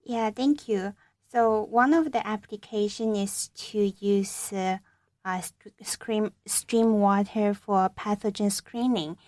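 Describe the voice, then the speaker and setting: A woman researcher answers interview questions in a halting way, full of pauses and fillers. She speaks slowly and evenly, without much rise and fall. The sound is dry and close. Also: medium pitch, fairly even intonation, darkish tone, no echo. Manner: hesitant, many uhs, halting. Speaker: researcher guest. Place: radio studio.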